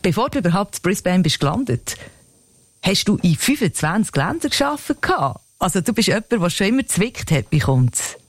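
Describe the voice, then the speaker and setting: Lively Swiss German radio host, man. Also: high-pitched, brisk, no room sound. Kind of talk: radio interview hosting.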